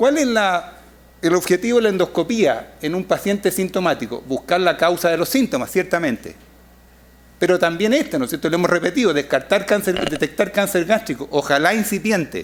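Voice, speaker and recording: Talking at a fairly quick pace, a man with a high voice uses lively intonation. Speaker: physician, gastroenterology conference speaker. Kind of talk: conference lecture. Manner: fast.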